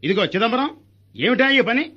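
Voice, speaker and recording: High-pitched man, scolding, lo-fi sound. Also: very animated, brisk, pushed and bright, husky. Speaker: comic actor in a hospital sketch. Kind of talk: comic dialogue sketch.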